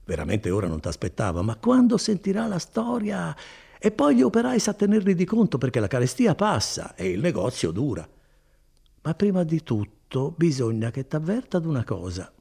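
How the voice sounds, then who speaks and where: A man voicing a chatty, good-hearted older male cousin, a foreman, in an animated folksy manner with chuckles. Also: a little high, normal speed, gravelly, husky, voice pushed up, exaggerated voice.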